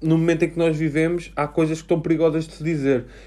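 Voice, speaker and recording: A man with a European Portuguese accent speaks in a dark, mellow tone in a very clean recording with a silent background. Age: 30s. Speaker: podcaster. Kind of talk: casual monologue. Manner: animated.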